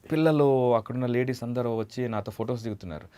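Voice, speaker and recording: A man with a medium-pitched voice talks as an interview guest. He tells anecdotes conversationally, and the recording is close and dry. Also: quick pace, mellow, no room sound. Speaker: mimicry artist and interview guest.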